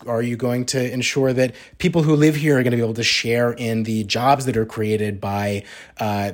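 Male podcast co-host, conversational and unhurried, mid pitch. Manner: conversational, frequent ums and asides. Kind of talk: casual news discussion.

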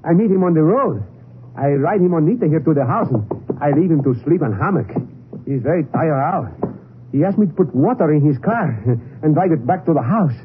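Guy playing scared mexican villager, high voice, mexican accent, pleading and polite, crackly thin old radio western. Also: expressive, natural voice. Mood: eager, polite. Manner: pleading, halting, deferential. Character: frightened, humble Mexican villager, a family man. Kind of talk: 1950s western radio drama acting. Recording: noisy, thin, phone-like old radio recording.

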